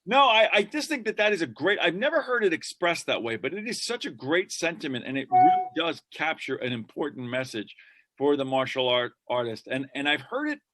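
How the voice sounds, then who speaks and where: A man's voice: fairly high pitch, very animated, fairly quick, fairly bright tone. A man interviewing a guest, giving short affirmations and then sharing his own thoughts. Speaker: interviewer, magazine host. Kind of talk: casual interview.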